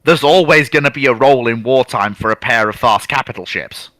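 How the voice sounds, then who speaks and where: A man's voice: medium pitch, fairly quick, a bit bright, no echo. A man in an informal expert discussion, explaining in colloquial terms and piling up point after point. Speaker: naval history discussion panellist.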